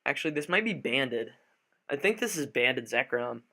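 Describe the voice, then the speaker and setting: A man with a slightly raspy, just-woken-up voice, talking through a game live with many fillers and restarts. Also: mid-range voice, very animated, normal speed, pushed and bright. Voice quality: a little raspy. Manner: thinks aloud with frequent fillers and restarts. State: just woke up. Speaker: gaming commentator. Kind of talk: live gameplay commentary.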